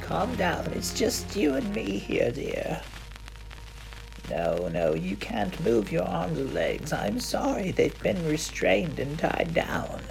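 A woman playing a calm nun who coaxes a frightened child in slow, soothing words, in a horror audio drama. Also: on the low side, vocal fry, exaggerated voice, rough recording. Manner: slow, soothing, gently persuasive. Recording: music playing underneath.

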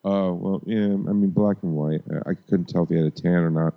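A man's voice: deep voice, fairly even intonation, brisk, creaky. A man co-hosting a podcast in casual chat, joking and rambling with restarts, on dull lo-fi sound. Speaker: podcast co-host.

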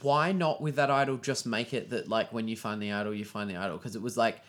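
A man co-hosting a podcast, chatting casually and recapping a reality show with lots of fillers and sudden jumps in pitch. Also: fast talker. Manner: animated, jumps up in pitch for emphasis, many fillers. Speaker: podcast co-host.

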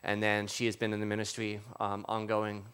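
Smooth, lowish-voiced man giving testimony. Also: completely flat delivery, a little fast, fairly bright tone. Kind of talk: informal personal testimony.

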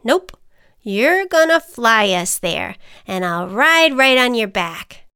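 A woman's voice: fairly high pitch, very animated, takes it slowly, bright, forceful tone, clear, resonant tone, no echo, clean studio sound, heavily acted. A woman doing a cheeky, pushy little ant. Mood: needling. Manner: sassy, needling, persuasive.

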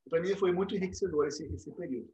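A man's voice: sits high, racing. A Brazilian man, a dentistry professor, telling stories in a casual remote interview and acting out the lines he quotes. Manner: animated storyteller, acts out quotes. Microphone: remote call microphone.

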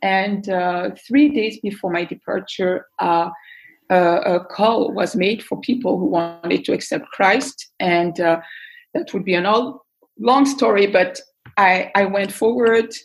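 A woman from Belgium, a guest on an interview podcast, telling her life story in an earnest, thoughtful way with frequent pauses and fillers. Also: medium pitch, soft background music, low-quality recording. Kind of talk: casual personal storytelling.

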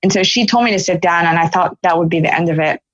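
An earnest woman in her forties from Philadelphia shares her story as a podcast guest. She reflects aloud in a lowish voice, often restarting her thoughts. The sound is close and dry, with a slightly muffled, dull quality. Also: fast talker, fairly bright tone, no room sound. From Philadelphia, United States. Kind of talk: podcast interview, personal storytelling.

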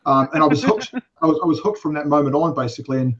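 A man's voice: fairly high pitch, quick pace, a little hiss or hum. Rambling man with an English–New Zealand accent. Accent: English with New Zealand tinge. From England, raised in New Zealand. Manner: rambling, hesitant, many fillers, wry asides. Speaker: convention organizer, guest. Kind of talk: casual podcast interview. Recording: dull lo-fi podcast audio.

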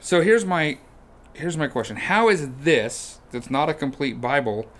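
A man's voice: on the high side, a little slow. A man co-hosting a church podcast, chatting casually and acting out storybook moments. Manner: animated, acts out storybook voices with shouts. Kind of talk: casual chat.

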